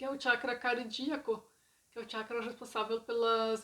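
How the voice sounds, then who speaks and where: A high-pitched woman's voice in a rural Brazilian accent, with monotone, flat intonation. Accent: rural Brazilian countryside. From rural Brazil, countryside. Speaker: reiki therapist and video creator. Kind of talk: casual talk to camera.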